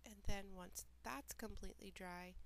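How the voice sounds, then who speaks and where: A woman with a stuffy, nasal cold, calmly talking through the steps of a craft tutorial in a voiceover. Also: medium pitch, moderate pace, creaky, a little hiss or hum. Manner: relaxed, plain step-by-step explaining with small asides. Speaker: mixed media artist. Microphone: home voiceover recording.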